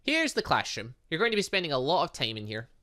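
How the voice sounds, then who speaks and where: A man's voice: a little high, wildly swooping pitch, fast talker, pushed and bright, heavily acted. A man voicing a cheeky, blunt young female student who teases and lectures, in a visual novel game. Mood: blunt, teasing. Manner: teasing, lecturing.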